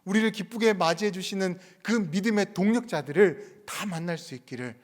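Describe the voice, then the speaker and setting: A man preaches in a sanctuary, his voice sitting a little high for a man. He talks through his points like a chatty story, then presses his listeners with earnest urging. Long reverb from the hall trails behind each phrase. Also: fairly quick. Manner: conversational storytelling, rising to earnest exhortation. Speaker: pastor. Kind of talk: sermon. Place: church sanctuary.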